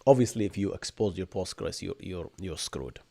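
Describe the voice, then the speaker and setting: A man in his thirties from Bahrain with an Arabic accent, hosting a live-streamed tech Q&A from a home room and explaining things in energetic bursts, often tagging on "right?". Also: low voice, normal speed, gravelly, husky. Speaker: podcast host. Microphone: desk microphone in front.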